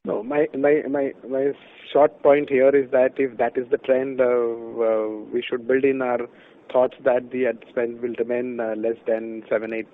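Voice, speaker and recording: A man's voice: mid-range voice, flat delivery, measured pace. A man asking questions as an analyst on a conference call, hesitant and repeating words as he starts. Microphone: phone. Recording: tinny, noisy phone line.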